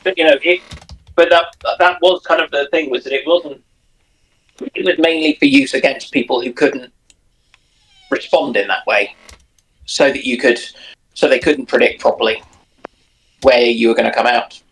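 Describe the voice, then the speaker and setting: A man's voice: medium pitch, normal speed, long pauses, fairly bright tone, slightly rough, low-quality recording. A man chatting casually as a panelist, phrasing his points in a hesitant, tentative way. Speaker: panelist on a live discussion. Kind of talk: casual chat.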